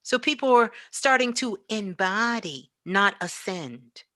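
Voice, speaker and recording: A woman's voice: mid-range voice, animated, takes it slowly, a bit bright, no echo, studio quality. A woman giving a spiritual motivational talk as a teacher, speaking emphatically and repeating phrases for effect.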